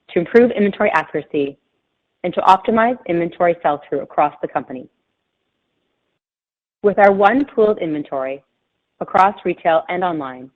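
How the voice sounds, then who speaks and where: Female executive, lower-pitched, formal scripted corporate read, telephone-quality audio. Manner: formal, measured corporate reading. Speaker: company chief executive. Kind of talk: scripted earnings presentation. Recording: narrow phone-line sound.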